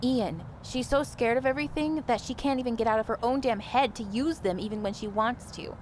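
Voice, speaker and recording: A woman acting a sharp-tongued, sarcastic young woman in an audio drama, blunt and defensive of her friends. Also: on the high side, brisk, lightly acted, low-quality recording. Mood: indignant. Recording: faint outdoor ambience noise.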